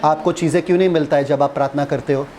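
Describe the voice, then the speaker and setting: A man's voice: on the high side, steady tone, very fast, darkish tone. A man preaching in a casual, conversational style, teasing the audience and asking them questions. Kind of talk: conversational Hindi sermon.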